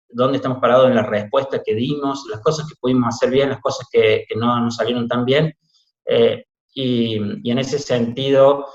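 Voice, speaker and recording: A middle-aged man with a sing-song Córdoba accent speaks in a loose, hesitant way, stopping often on fillers. His voice comes through a video call that sounds dull and roomy. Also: medium pitch. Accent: Cordobés Argentine Spanish. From Córdoba, Argentina. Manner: warm, hesitant with many fillers. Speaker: guest speaker, doctor. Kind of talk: talk for a video presentation.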